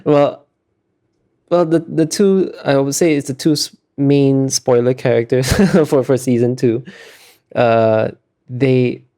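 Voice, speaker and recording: A man's voice: medium pitch, steady tone, slow, dark tone. A man giving earnest, hesitant interview answers as an illustrator, often searching for his words.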